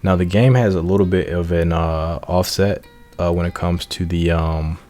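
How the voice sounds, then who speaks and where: A man's voice: low-pitched, fairly even intonation, normal speed, darkish tone. A man giving casual, informal and self-deprecating commentary as the host of a video game playthrough. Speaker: let's play host. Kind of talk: casual gaming commentary with read-out game text. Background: music.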